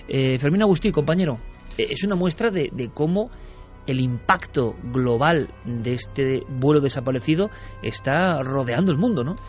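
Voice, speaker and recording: A man's voice: medium pitch, lively intonation, moderate pace. Guy hosting late radio, dramatic, dull lo-fi sound w faint music. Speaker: radio show host. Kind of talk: late-night radio talk.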